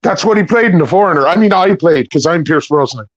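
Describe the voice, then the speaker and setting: A man's voice: on the high side, expressive, quick pace, no echo, muffled recording. A man joking as a stream guest, playing a celebrity persona with a put-on Irish accent. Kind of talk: casual banter in character.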